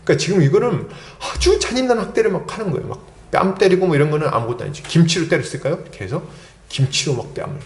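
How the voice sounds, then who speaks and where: Animated male pastor preaching. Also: fairly high pitch, fast. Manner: animated, dramatizing, rhetorical questions to the congregation. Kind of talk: sermon. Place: church sanctuary. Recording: roomy church hall echo.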